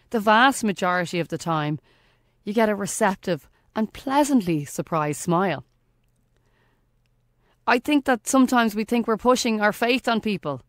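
A woman's voice: mid-range voice, no echo, clean studio sound. An Irish woman hosting a faith podcast, reading a scripted reflection with earnest emphasis. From Ireland. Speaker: podcast host.

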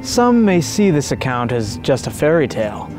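A man narrating a devotional story in an earnest, measured way as the host of his channel. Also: medium pitch, sing-song, a little mellow, faint music behind.

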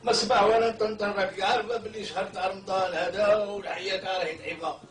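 A man with an Algerian Arabic accent bickers excitedly in a comedy sketch. He talks fast in a fairly high voice, heard from a distance in an echoey room with music behind. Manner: quarrelsome, excitable, protesting. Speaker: comedic actor.

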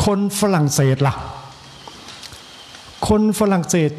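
Isan-accented monk preaching real slow, repeats himself, jokes w the crowd, faint hiss behind. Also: male voice, a little mellow. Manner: slow, measured preaching with pauses and repetition. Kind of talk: evening sermon. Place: temple hall.

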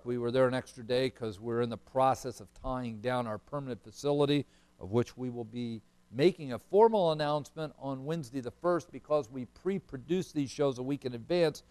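A middle-aged American man preaching to camera as a Christian broadcast host, in emphatic, deliberate phrases with pauses. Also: mid-range voice, no echo. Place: furnished room indoors.

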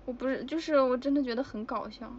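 A woman's voice: sits high, quick pace, darkish tone, slightly rough, lo-fi sound. A woman chatting casually with fans on a livestream, giggly and exclamatory. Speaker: idol livestreamer. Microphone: phone.

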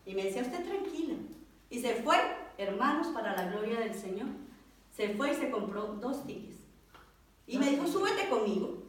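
A woman with a Colombian accent gives an emotional testimony from the pulpit and acts out each voice as she goes. Her voice sits high. The sound is very echoey and distant, as if taped across a large church. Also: animated, normal speed. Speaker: preacher. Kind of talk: testimony sermon. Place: church hall.

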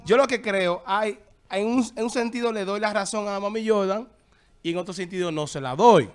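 A man's voice: high voice, moderate pace, clear, resonant tone. A man hosting a talk show, joking with his partner and giving his opinion. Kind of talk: casual chat.

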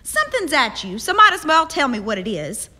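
An actress playing a warm, teasing, candid frontier aunt in a radio drama, folksy and expressive. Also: female voice, sits high, brisk, full character voice. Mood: concerned, probing.

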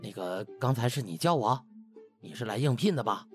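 A man's voice: medium pitch, lively intonation, moderate pace, darkish tone, faint music behind, natural voice. A man voicing a desperate, pushy butler in an audiobook, stammering and pleading in colloquial speech. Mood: hopeful, probing. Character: anxious, desperate, pushy male household butler.

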